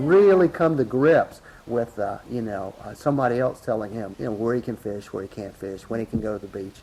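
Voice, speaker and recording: Over noticeable background noise, a man with a medium pitch talks at a fairly quick pace with hardly any pauses, lively intonation and big swings in loudness. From Hatteras, North Carolina, Outer Banks. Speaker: Outer Banker, local resident recalling net camps. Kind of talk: interview answer, oral-history recollection. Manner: conversational, storytelling, digressive.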